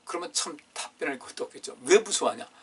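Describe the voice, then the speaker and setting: A man's voice: fairly high pitch, animated, fast, breathy edge. A man pastor preaching a Friday prayer meeting sermon in a conversational way, reading scripture aloud and asking the congregation questions. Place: church. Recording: distant, room-miked sermon recording.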